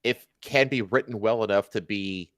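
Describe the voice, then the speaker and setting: A man co-hosting a livestream, chatting casually in an easygoing, halting way. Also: fairly low pitch, a bit bright, no room sound, lo-fi sound. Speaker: livestream co-host. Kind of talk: casual chat.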